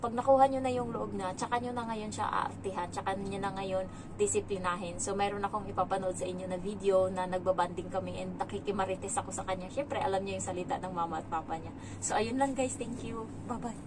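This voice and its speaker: A woman's voice: medium pitch, steady tone, fairly quick, background noise. A woman from the Philippines, a domestic helper, telling a story in a casual vlog and switching between Tagalog and English.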